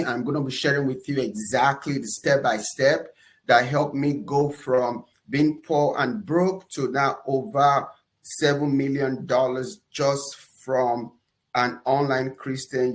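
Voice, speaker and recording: A man with a Nigerian accent hosting a live webinar, energetic and enthusiastic, often pausing on "uh" and ending points with "okay?". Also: mid-range voice. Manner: energetic, enthusiastic shout-outs; fillers and repeated "okay?". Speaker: webinar host.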